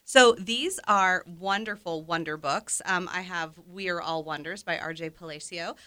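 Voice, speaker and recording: A woman's voice: fairly low pitch, moderate pace, pushed and bright, smooth, no echo. A woman co-hosting a library podcast, chatting about books with enthusiasm and frequent laughter. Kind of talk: casual book chat.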